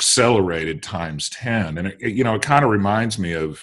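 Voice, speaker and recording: At a moderate pace and with ordinary pitch variation, a man talks in an ordinary speaking voice against a quiet background. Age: 40s. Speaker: podcast host. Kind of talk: interview conversation.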